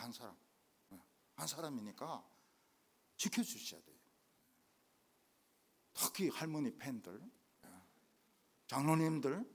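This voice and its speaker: An older man preaching a revival sermon as a guest pastor, jumping from loud exclamations to hushed asides. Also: medium pitch, slightly rough. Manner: animated, swinging from loud exclamations to quiet asides. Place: church main sanctuary.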